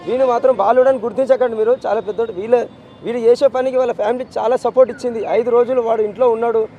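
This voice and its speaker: A man's voice: very high-pitched, steady tone, fast talker, dark tone, a little hiss or hum, low-quality recording. A middle-aged man with a Telangana Telugu accent, a bereaved father giving a street news interview, anguished and insistent as he repeats his demands. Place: outdoors on a city street.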